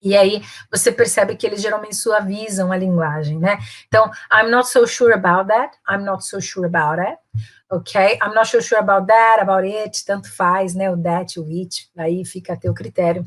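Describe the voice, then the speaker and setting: A woman with a Brazilian accent teaching English in a casual, chatty way, ending phrases with tag questions and saying English examples slowly and carefully. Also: medium pitch. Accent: Brazilian Portuguese. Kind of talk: casual online English lesson.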